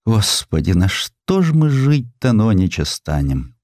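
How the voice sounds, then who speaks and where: A man's voice: lowish voice, big pitch swings, unhurried, darkish tone, no room sound, clean studio sound. Man acting a pious, folksy old mother. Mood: lamenting. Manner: folksy, prayerful. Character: pious ageing widowed mother, humble and homely.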